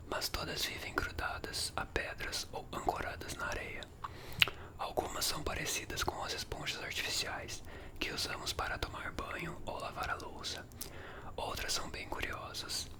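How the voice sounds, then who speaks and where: Whispered Brazilian ASMR magazine reading. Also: extremely high pitch. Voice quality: soft unvoiced whisper. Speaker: ASMR creator.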